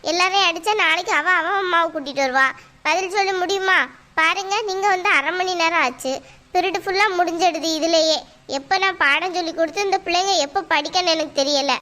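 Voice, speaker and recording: A woman's voice: very high-pitched, brisk, pushed and bright. A woman voicing a weary, patient school teacher in a cartoon, speaking in a soothing but firm way. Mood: calm firm. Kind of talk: cartoon voice acting.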